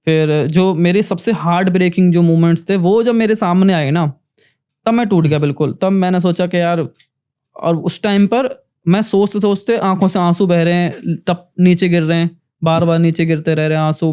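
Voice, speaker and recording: A young man with a high, smooth and resonant voice, mellow in tone. He recounts a personal ghost story in vivid, earnest detail as a podcast guest. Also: fairly even intonation, moderate pace. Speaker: paranormal investigator guest. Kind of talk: emotional storytelling in a podcast interview.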